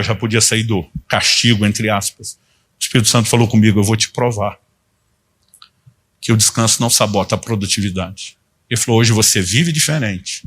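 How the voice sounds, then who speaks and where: A man in his fifties preaching in an easy, conversational way, his voice a little husky. He slips into quoted dialogue as he tells his stories, at a middling pitch. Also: a bit bright. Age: 50s. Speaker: pastor. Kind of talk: sermon.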